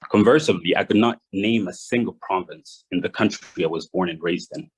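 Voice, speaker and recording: A young man from Rwanda giving a prepared address, measured and read from notes with small restarts. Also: low-pitched, breathy edge, poor audio. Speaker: guest speaker.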